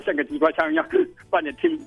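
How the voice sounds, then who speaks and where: A man phoning a radio show chats casually and haltingly, repeating words as he goes, over a dull phone-in line. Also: very high-pitched, sing-song, gravelly, faint music behind.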